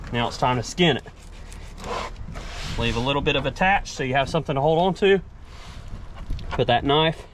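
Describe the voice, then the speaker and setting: A man, casually explaining each step as he works, like a vlogger teaching. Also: mid-range voice. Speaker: fishing and cooking vlogger. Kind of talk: casual instructional narration while working. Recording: noisy action-camera audio, outdoors and kitchen.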